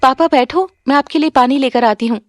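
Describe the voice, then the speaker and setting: A woman voicing a spoiled, gushing young daughter in an animated story. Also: sits high, a little fast, voice pushed up, close to an everyday voice. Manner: gushing, excited.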